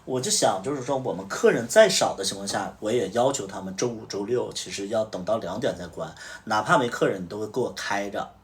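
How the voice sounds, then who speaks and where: A man with a fairly low voice hosts a livestream and tells a story in a casual, chatty way. He acts out the back-and-forth of what each person said. He sits a little way back from the microphone, so the sound is slightly distant. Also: expressive, brisk, few pauses. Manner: recounts events through reported dialogue. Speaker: livestream host.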